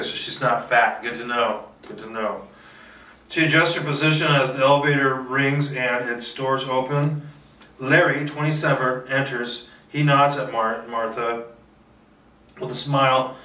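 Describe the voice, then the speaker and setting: A man doing a screenplay table read with casual asides, halting as he thinks aloud. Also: mid-range voice, steady tone, bright, forceful tone. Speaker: script reader, filmmaker. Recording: roomy, distant microphone.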